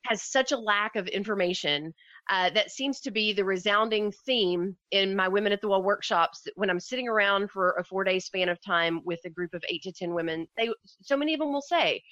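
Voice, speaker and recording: A woman with a loud, bright voice co-hosts a podcast and talks at length in an eager, casual way. The sound is dry and close, a little dull and lo-fi. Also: mid-range voice, brisk, no room sound. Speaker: podcast co-host. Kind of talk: casual chat.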